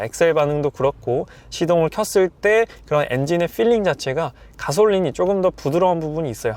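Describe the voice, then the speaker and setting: A man reviewing a car as he drives, explaining things in a measured, polite way with a slightly hoarse, clogged throat. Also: on the high side, darkish tone. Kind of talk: car review commentary while driving. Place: inside a moving car. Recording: clear vehicle and road noise. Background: car driving noise.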